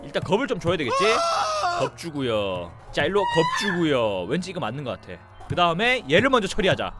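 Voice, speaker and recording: Excitable Korean-speaking gaming guy, wildly swooping. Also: on the high side, brisk. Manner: excitable, shouts and laughs, talks to himself. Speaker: gaming YouTuber. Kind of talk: lively let's-play commentary. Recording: game music behind the voice.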